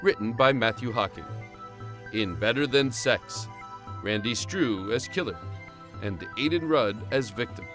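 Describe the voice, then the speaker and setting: Casting: male announcer, mid-pitched, scripted credit read over clear music. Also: animated, a little slow.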